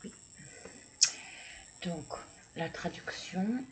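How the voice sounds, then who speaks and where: A man reading tarot and oracle cards for viewers, talking slowly and hesitantly with many fillers, and encouraging and congratulating the listener. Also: high-pitched, expressive. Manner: slow, hesitant, with many fillers and repeated words. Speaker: tarot and oracle card reader. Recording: clear background noise.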